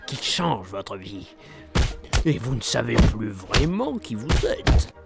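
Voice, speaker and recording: Mad clown supervillain for a game dub: slow, creaky, theatrical monologues, menacing yet wistful, over music. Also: male voice, medium pitch, big pitch swings, full character voice. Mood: bitter musing. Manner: theatrical monologue, breaking into cackles. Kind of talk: French fan dub of a video game scene. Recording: dramatic music behind the voice.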